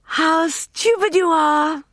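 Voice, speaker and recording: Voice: mid-range voice, sing-song, measured pace, vocal fry, no room sound, pitched above the performer's own voice, full character voice. A narrator voicing an imperious, vengeful young woman with a light, piercing, scornful voice.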